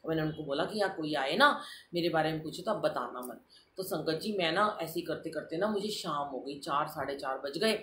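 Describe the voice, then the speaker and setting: A woman's voice: deep voice, expressive, fairly quick, fairly bright tone, roomy sound, slight background noise. A middle-aged woman telling a personal devotional story to a congregation, acting out the quoted speech as she goes. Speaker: storyteller sharing a devotional testimony. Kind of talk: spoken testimony to a congregation.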